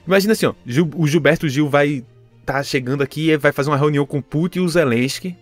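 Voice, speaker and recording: A man from Recife, co-hosting a podcast in a casual, animated, joking way. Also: a little high, fast, faint music behind. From Recife, Brazil. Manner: animated, joking, bursts into laughter. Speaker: podcast co-host.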